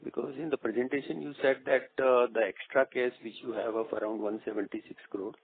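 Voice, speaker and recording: Gravelly Indian man on a phone line. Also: medium pitch, fairly even intonation, fairly quick. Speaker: investor caller asking questions. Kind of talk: earnings call question. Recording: narrow rough phone line.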